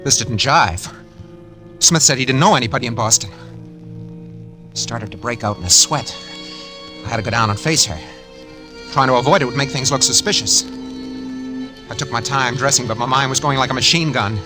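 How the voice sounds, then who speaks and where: A man's voice: mid-range voice, moderate pace, pauses often, close to an everyday voice. An actor playing a nervous, scheming man who narrates his own story in tense, hard-boiled style in a 1940s radio drama. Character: nervous scheming man posing as someone else. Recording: old radio broadcast with music.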